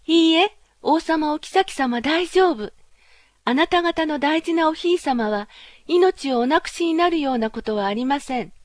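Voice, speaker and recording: A woman voicing a kind young female fairy who speaks loudly and formally, reassuring the king and queen in a storybook reading. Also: sits high, expressive, a little slow, no room sound, clean studio sound, voice pushed up. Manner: loud, formal, soothing speech.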